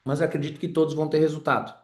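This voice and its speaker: Male sales trainer, high-pitched and chatty, informal class in a reverberant room. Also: flat delivery, rapid-fire, darkish tone. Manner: chatty, tells personal stories, addresses audience as "gente".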